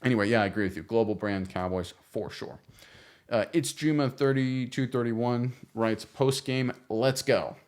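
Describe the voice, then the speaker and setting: A man's voice: medium pitch, normal speed. A man hosting a sports show, casually talking through viewer comments with frequent restarts and fillers. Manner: chatty, frequent restarts and fillers, animated when retelling.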